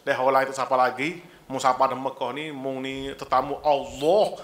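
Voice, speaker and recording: A man voicing a sly male devil who flatters and tempts. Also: medium pitch, moderate pace, voice pushed down, lightly acted. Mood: flattering.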